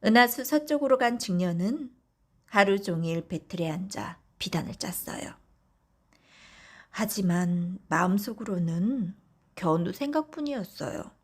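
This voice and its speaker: A woman narrating folk tales for bedtime in a soft, often whispery, gentle voice. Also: mid-range voice, lively intonation, measured pace. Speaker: audiobook narrator.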